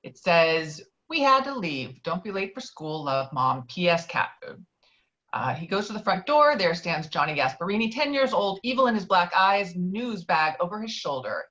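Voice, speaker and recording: A woman's voice: lowish voice, big pitch swings, normal speed, fairly bright tone. A woman reading out screenplay stage directions as the narrator of an online table read. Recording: dull, lo-fi online call audio.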